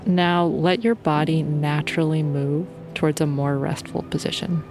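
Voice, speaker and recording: A woman's voice: low-pitched, normal speed, music in the background. A woman leading a guided sleep meditation in an informal, playful and soothing way.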